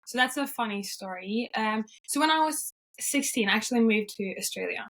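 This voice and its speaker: A woman's voice: on the high side, lively intonation, brisk, fairly bright tone, poor audio. A young woman from Norway, cheerful and upbeat, chatting casually as an interview guest, with frequent yeahs and ums.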